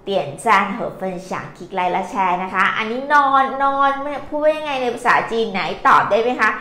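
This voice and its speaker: A woman's voice: fairly high pitch, expressive, normal speed, bright, forceful tone. Patient woman teacher, live lesson, quizzes viewers; echoey room. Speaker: Chinese language teacher. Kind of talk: live-streamed vocabulary lesson. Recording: echoey room, faint noise.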